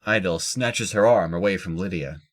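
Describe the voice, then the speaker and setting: A man's voice: low voice, normal speed. A man reading scripted narration for an audio drama.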